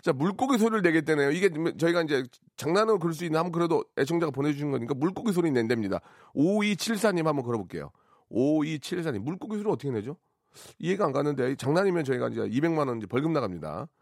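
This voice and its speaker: A man hosting a phone-in radio show, teasing callers with deadpan banter. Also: fairly high pitch, fast talker, no echo, clean studio sound. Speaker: radio host. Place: radio studio.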